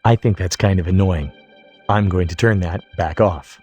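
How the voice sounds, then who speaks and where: A man giving an explanatory tutorial voice-over as an instructor, speaking in a measured, methodical way. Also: deep voice, a little mellow, muffled recording, faint music behind. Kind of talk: explanatory screen-recording narration.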